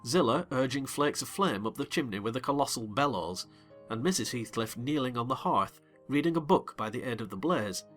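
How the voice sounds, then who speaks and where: A man giving an expressive, measured dramatized reading of a classic novel. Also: medium pitch, faint music behind. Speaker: narrator.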